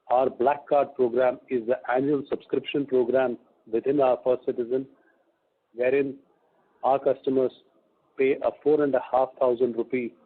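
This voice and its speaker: A man giving a formal, prepared business presentation as a company executive, speaking in measured, deliberate chunks. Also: medium pitch, husky. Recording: muffled, phone-like conference call line.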